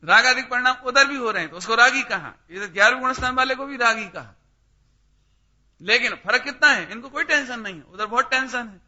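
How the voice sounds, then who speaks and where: High bright-voiced man teaching scripture. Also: a little fast. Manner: questioning listeners by name, emphatic. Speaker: religious teacher. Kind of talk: scripture study class. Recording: dull lo-fi recording.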